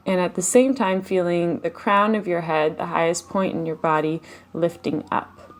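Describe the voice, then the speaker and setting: A woman with a lowish, gentle voice leads a guided meditation. She talks slowly and softly, leaves long pauses between phrases, and breathes out in audible sighs. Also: fairly even intonation. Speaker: meditation teacher. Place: home, live online session.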